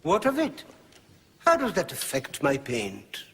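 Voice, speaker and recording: A man's voice: on the high side, wildly swooping pitch, a little slow, a bit bright, in a large hall, a little hiss or hum, full character voice. An actor playing a weary, idle elderly king who speaks in a languid, dry and ironic way, in a film scene with music behind. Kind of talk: film drama acting.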